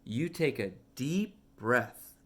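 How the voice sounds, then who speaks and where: A man voicing a calm, wise mother cat giving advice in a children's storybook. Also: medium pitch, slow pace. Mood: calm, reassuring.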